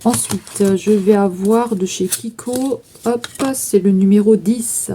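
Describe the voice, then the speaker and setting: A woman's voice: medium pitch, steady tone, takes it slowly, warm tone, a little hiss or hum. A woman chatting casually through a makeup declutter, with frequent fillers, stumbling over English names. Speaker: vlogger selling makeup. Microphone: phone.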